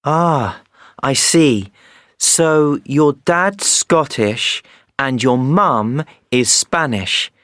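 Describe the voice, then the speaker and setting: A woman asking and reading scripted textbook lines slowly and clearly for learners. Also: very deep voice, lively intonation, a bit bright, dry recording, clean studio sound. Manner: slow, lilting, clearly articulated speech. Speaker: textbook audio interviewer.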